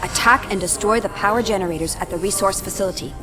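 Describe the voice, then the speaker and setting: An actress playing a female rebel spy who gives terse, urgent battlefield reports over loud music. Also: medium pitch, fast talker, lightly acted. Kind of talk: game cutscene voice acting. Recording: game audio with loud music behind.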